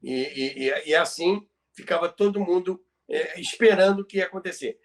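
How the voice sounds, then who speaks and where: A man's voice: high-pitched, moderate pace. A Brazilian man presenting in an informal lecture style, explaining didactically and repeating phrases for emphasis. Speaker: presenter explaining radio history.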